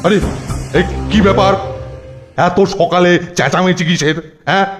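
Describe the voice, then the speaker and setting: A man's voice: sits high, steady tone, moderate pace, fairly bright tone, faint music behind. A man voicing a grumpy, suspicious schoolmaster in a cartoon, with exaggerated blustering delivery. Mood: irritated, suspicious. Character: stern grumpy male schoolmaster, suspicious and easily tempted. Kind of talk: cartoon voice acting.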